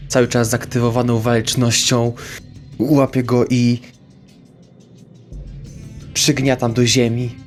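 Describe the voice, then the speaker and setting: A man playing a tabletop game, describing his character's actions in the first person, haltingly. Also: mid-range voice, little pitch movement, faint music behind. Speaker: player.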